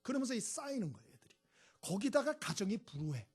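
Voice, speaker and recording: A man's voice: high-pitched, big pitch swings, fast talker, breathy edge. A male pastor preaching a sermon, telling stories and prodding the congregation with short questions. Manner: storytelling, prods the congregation with "예?" and "음?".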